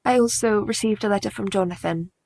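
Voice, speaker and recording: An actress playing a caring, composed young woman who speaks in steady, formal period English in a radio play. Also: mid-range voice, brisk, vocal fry, dry recording. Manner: steady, reassuring, formal speech.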